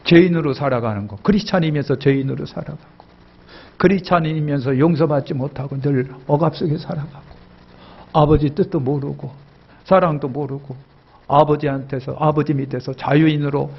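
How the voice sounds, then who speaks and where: A man's voice: a little high, moderate pace, gravelly, husky, lo-fi sound. A male pastor preaching a sermon emphatically, repeating key phrases and asking the congregation questions.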